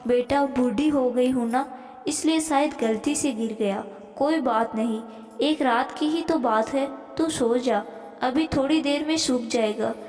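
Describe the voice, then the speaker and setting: A woman voicing a patient, soft-spoken aging mother. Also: sits high, a little slow. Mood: gentle. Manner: gentle, pleading. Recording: echoey room with long reverb.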